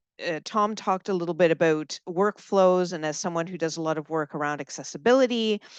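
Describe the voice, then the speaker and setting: A woman's fairly low voice with a Canadian accent, fairly quick and with ordinary pitch variation, over a quiet background. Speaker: instructional designer. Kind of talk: webinar panel talk. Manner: halting.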